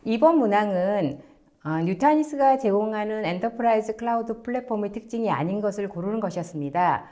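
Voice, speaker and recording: Female webinar host, medium pitch, courteous and formal, delivering scripted announcements to viewers. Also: expressive, a little fast, warm tone. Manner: polite, formal presenter delivery. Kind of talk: scripted webinar hosting, reading aloud.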